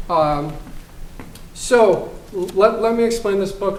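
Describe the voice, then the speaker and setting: There is noticeable background noise and audible room echo as a man speaks in a high voice. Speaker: writer. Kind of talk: author talk; reading aloud. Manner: monotone.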